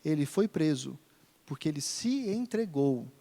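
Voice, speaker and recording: A man's voice: fairly high pitch, sing-song, measured pace, mellow. A man from Brazil preaching an expository sermon in a church hall, emphatic and repeating phrases for stress. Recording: long church reverb.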